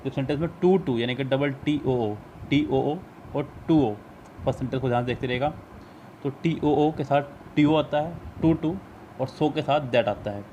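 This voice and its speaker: A man with an Indian accent, a Hindi speaker, tutoring for an English exam over a screen recording, patiently explaining and reading English sentences slowly. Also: medium pitch, dark tone, muffled recording, slight background noise. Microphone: screen recorder mic.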